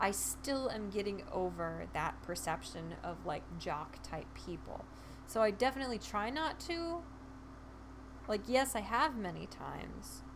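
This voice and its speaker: A woman talks fairly slowly, and audible room echo follows her words. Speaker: streamer. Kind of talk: casual livestream chat, reading quiz questions aloud. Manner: loud at times.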